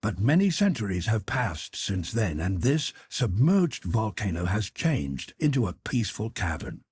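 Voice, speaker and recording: A man's voice: lowish voice, very animated, measured pace, darkish tone, slightly rough, heavily acted. A man voicing a learned professor in an audiobook, articulate and didactic, explaining things with relish. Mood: explanatory.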